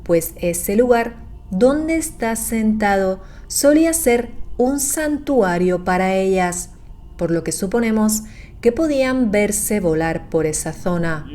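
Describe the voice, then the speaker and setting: A woman narrates a scripted horror recap in a measured, explanatory way. Her voice is dark and mellow, with a medium pitch and a very slow pace. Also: lively intonation.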